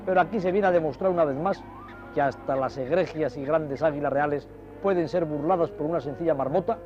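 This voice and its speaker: High-pitched man narrating nature documentary. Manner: didactic, addressing viewers directly; ornate, dramatic storytelling phrasing. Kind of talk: nature documentary commentary, explaining over film footage. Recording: dull vintage TV audio, music behind. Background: music.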